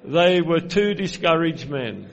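A man with an Australian accent preaching, telling a story in short phrases and pausing for an interpreter. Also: on the high side, big pitch swings, creaky, slight background noise. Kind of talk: sermon in English with live interpreter.

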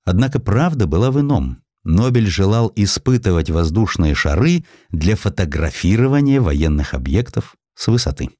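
A man reading a historical sketch as an audiobook narrator, in an expressive, dramatized storytelling manner with deliberate phrasing. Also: low voice, no room sound, studio quality.

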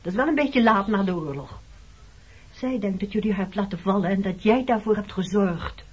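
A woman's voice: mid-range voice, a little fast, breathy edge, close to an everyday voice. An actress playing a weary, defensive woman in her thirties, haunted by her wartime past, in a radio play. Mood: reproachful. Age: 30s. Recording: dull old radio play recording.

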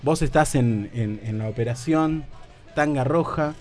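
A man voicing a stern, bullying interrogator in a white suit, pitched a bit deeper than his own voice as he retells a comic story on the radio. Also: measured pace, darkish tone, lightly acted. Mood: pressing. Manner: menacing, gruff, bullying.

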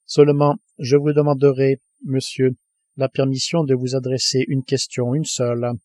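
A man's voice: mid-range voice, flat delivery, moderate pace, a little mellow, no room sound, natural voice. A man reading the lines of an earnest, indignant male scientist held captive, in an audiobook.

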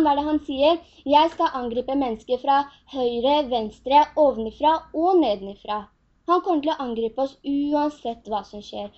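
A woman's voice: high-pitched, a little mellow. A woman teaching a religious lesson in an earnest way, often posing rhetorical questions to her students. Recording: dull lo-fi recording.

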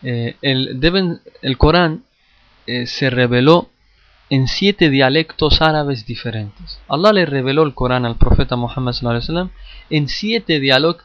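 A man's voice: fairly high pitch, dry recording, highs cut off. A man teaching a lesson on Islamic history, addressing his listeners directly, often hesitating, repeating phrases and restarting words. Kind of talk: classroom lecture.

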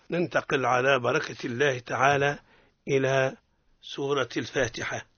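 A man with a Tunisian accent hosting a radio lesson on Quran recitation, correcting mistakes and slowly demonstrating each syllable again and again. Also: mid-range voice, fairly bright tone, dry recording. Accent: Tunisian Arabic. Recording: dull, dry radio studio sound.

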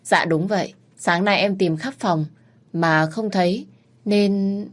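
A woman's voice: medium pitch, slow pace, voice pushed up. Woman voicing a terrified pleading young servant girl. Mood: nervous. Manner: begging, tearful. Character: young maidservant, frightened and pleading.

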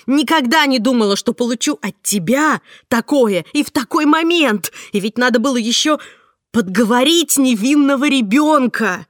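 A woman voicing a frightened young woman who shouts and sobs down the phone. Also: animated, normal speed, dry recording, clean studio sound. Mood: furious. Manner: shrill, shouting, near tears. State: sobbing.

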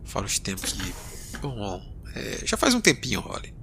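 A man's voice: fairly low pitch, wildly swooping pitch, normal speed, vocal fry, background noise, full character voice. A man voicing a grumbling, weary space captain. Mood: exasperated. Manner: grumbling, sarcastic, sighing. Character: weary male space explorer captain, easily exasperated.

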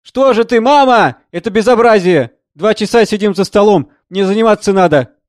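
A man voicing an impatient young man who shouts indignantly at his mother from the doorway. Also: sits high, moderate pace, no echo, clean studio sound, natural voice.

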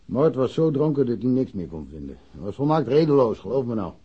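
A man's voice: medium pitch, very animated, a little fast, husky, highs cut off. A man playing a blunt, jovial provincial policeman with a wry manner in a naturalistic radio drama.

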